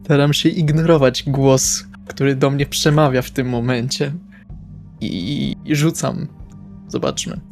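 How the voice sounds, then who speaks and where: A man's voice: mid-range voice, unhurried. A man casually narrating his character's actions as a player in a tabletop roleplay. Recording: faint music behind.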